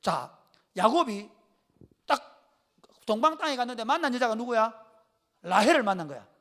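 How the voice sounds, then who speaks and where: A pastor with a Gyeongsang accent delivers a folksy sermon, joking with his congregation and calling on people by name. His voice sits high for a man and swings widely in pitch, with a bright, sharp edge. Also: normal speed. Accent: Gyeongsang Korean. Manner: lively storytelling, calls on listeners by name; colloquial, jokes with the congregation.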